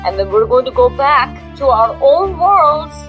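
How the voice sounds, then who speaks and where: Higher-voiced woman gamer over music. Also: sing-song, unhurried, dull audio. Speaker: player in a tabletop role-playing game. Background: music behind the voice.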